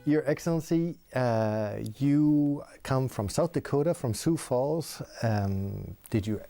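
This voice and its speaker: A man's voice: mid-range voice, lively intonation, slow, gravelly, mellow, soft background music. A man hosting an interview, asking earnest questions and prompting his guest. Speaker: interviewer, host.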